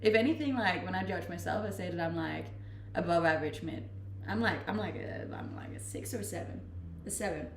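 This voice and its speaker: Young Danish-accented woman for a casual chatty livestream, gravelly edges to her voice, recorded in a roomy-sounding space. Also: lowish voice, a little fast, hardly any pauses, slight background noise. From Denmark. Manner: chatty, laughs easily. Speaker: streamer. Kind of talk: casual chat reading viewer questions. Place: rented house, indoors.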